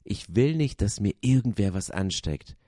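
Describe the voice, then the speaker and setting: A man plays a small, timid wooden puppet from a storybook, his voice pushed up high and anxious. He sounds pleading and unsure of himself. The sound is close and dry. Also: lively intonation, moderate pace, warm tone, dry recording. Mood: downcast.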